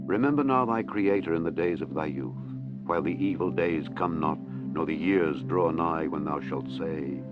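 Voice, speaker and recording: Male narrator, low register, solemn and declamatory scripture read, measured delivery, clear music bed underneath. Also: highs cut off. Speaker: audiobook narrator. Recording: music behind the voice. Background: background music.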